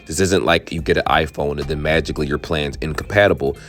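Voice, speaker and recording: A man hosting a tech channel, chatting casually and frankly to viewers, his voice worn hoarse. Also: a bass voice, fairly even intonation, quick pace, a bit bright, soft background music. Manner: chatty, frank, drifts into asides. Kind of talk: casual explainer talking to viewers.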